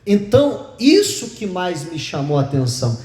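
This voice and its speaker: A man's voice: high voice, sing-song, normal speed, a little mellow. A Brazilian man preaching a sermon as pastor, in a chatty, joking storytelling manner, in a large church. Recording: echoey church from a distance.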